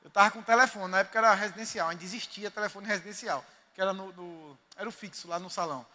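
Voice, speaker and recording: Male pastor, Northeastern Brazilian accent, very high bright voice, emphatic storytelling sermon, long hall reverb. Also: fast talker. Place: church sanctuary.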